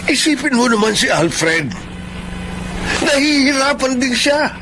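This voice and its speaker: An actor with a Filipino accent playing a gentle, pleading older disabled father in a radio drama. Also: very high-pitched, very animated, unhurried, heavily acted. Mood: hurt, pleading. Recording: noisy radio drama recording.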